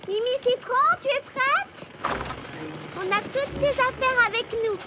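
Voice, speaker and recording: A woman's voice: very high-pitched, measured pace. A woman voicing an upbeat, reassuring young girl who takes the lead in a children's cartoon, speaking in an encouraging way. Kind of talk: animated children's series dubbing.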